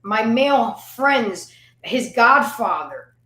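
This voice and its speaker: A woman's voice: a little high, animated, slow pace, a bit bright, echoey room, rough recording. A woman on a casual panel chat who talks emphatically, swears freely and stumbles over repeated words when she gets worked up.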